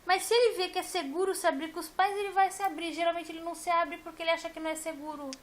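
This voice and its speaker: A woman's voice: extremely high pitch, fairly even intonation, very fast. A woman, a teacher, talking casually and emphatically to her viewers and repeating her points. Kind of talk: casual talk to camera.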